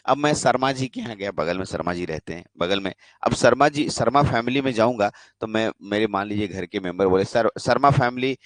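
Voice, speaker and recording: A man's voice: lowish voice, expressive, a little fast, few pauses, dry recording. A young man with a Bihari Hindi accent teaching a live online class. He mixes English terms into his Hindi and keeps checking that students follow. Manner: explains in Hindi mixed with English, checks in with frequent questions. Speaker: polytechnic teacher.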